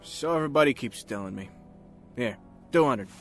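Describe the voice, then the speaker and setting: A man's voice: mid-range voice, lively intonation, moderate pace, soft background music, lightly acted. An actor playing a hot-tempered, desperate police detective in an audio drama, snapping his words. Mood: angry, desperate. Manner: agitated, snapping.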